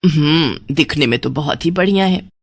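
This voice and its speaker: A woman's voice: deep voice, normal speed, dry recording, clean studio sound. A woman voicing an exasperated, scolding middle-aged mother in a storybook tale. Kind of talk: storybook voice acting.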